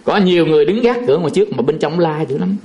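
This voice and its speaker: A man's voice: on the high side, lively intonation, racing, a little mellow, dull audio. A man, a Buddhist monk telling a folksy, chuckling story in a sermon, full of fillers.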